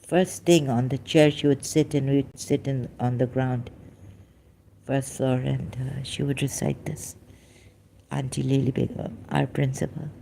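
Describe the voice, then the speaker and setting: A speaker in their fifties from Pakistan, rambling on a livestream in a weak, tired voice, halting and restarting often. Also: medium pitch, fairly even intonation, gravelly, warm tone, slight background noise. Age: 50s. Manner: halting, with many restarts and fillers.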